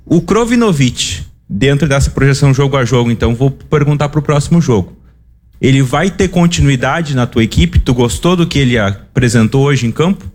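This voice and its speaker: Brazilian sports reporter asking questions. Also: male voice, medium pitch, animated, moderate pace, darkish tone. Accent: Brazilian Portuguese. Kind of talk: press conference question.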